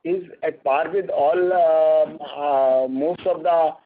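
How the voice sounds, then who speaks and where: A man's voice: on the high side, fairly even intonation. Indian man on a tinny phone line. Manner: halting, repeats words. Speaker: company executive on an earnings call. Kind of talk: answering analyst questions.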